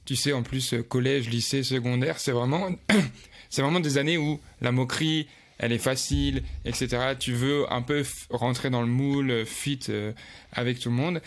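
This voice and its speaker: A young man from France co-hosting a podcast. His voice sits at a middle pitch, and he talks in a relaxed, conversational way with some hesitations. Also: normal speed. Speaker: podcast co-host. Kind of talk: casual chat.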